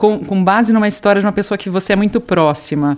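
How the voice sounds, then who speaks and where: A woman with a normal speaking voice, medium pitch and ordinary pitch variation is heard on a very clean recording with a silent background. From Campinas, São Paulo, Brazil. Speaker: podcast host. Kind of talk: casual interview chat.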